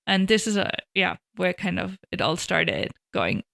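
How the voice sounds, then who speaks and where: A woman's voice: fairly low pitch, sing-song, a little slow, gravelly, fairly bright tone. A young woman from Switzerland and Germany, telling her story as an interview guest with many "like" fillers. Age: young adult. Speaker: guest, alpinist and guide. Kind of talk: casual interview chat. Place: hotel room.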